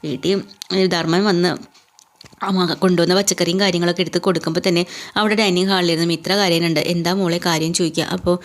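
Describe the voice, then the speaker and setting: A woman's voice: fairly low pitch, steady tone. A woman casually retelling the plot of a TV serial episode in a chatty way. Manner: chatty, rapid, full of fillers. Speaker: serial recap narrator. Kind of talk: casual storytelling recap.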